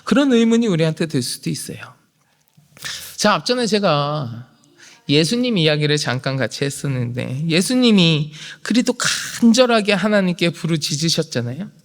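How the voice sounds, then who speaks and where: High-voiced man preaching in a reverberant church. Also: sing-song, normal speed. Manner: dramatic swings from hushed whispers to shouted proclamation. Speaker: pastor. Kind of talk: sermon. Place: church sanctuary. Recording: long hall reverb.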